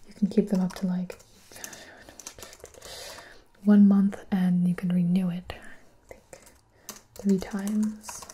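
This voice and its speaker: A woman in her twenties playing a friendly, chatty young public librarian in a whispered role-play, with a gentle, breathy library whisper. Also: mid-range voice. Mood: explaining, easygoing. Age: 20s. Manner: soft-spoken library whisper, gentle and casual.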